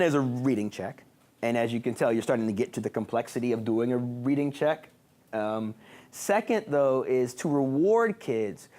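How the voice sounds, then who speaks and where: An American man speaking as a teacher leading an informal class discussion in an encouraging way. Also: medium pitch.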